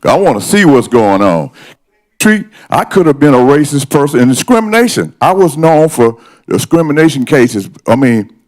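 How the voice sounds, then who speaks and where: A man's voice: medium pitch, sing-song, normal speed, a little mellow. A man in his sixties or older making an impassioned, combative podium speech at public comment, with personal testimony and emphatic plain talk. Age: 60s or older. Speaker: resident speaking at public comment. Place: council meeting room, at a podium.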